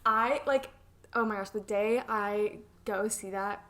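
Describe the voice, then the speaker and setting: A woman's voice: medium pitch, takes it slowly, sharp tone. A young woman co-hosting a casual podcast chat, upbeat and rambling, with many "um"s and "like"s. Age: young adult. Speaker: podcast co-host.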